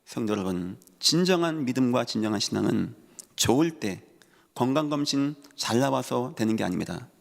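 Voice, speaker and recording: A man preaching as a pastor in a large church sanctuary, with emphatic swings between loud rises and hushed drops. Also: mid-range voice, animated, moderate pace, vocal fry. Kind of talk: sermon. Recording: long hall reverb.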